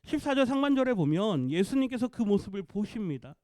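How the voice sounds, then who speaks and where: A man in his forties preaching a Sunday sermon, lively and animated, asking the congregation questions and acting out quoted lines. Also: sits high, fairly quick, dry recording, studio quality. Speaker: pastor. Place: church sanctuary.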